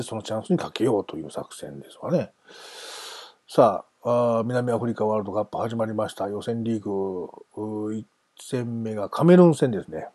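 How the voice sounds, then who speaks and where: A man's voice: mid-range voice, dark tone, slightly rough, dry recording. A man hosting a casual solo talk, chatty and self-amused, wandering off into asides. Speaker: podcast host.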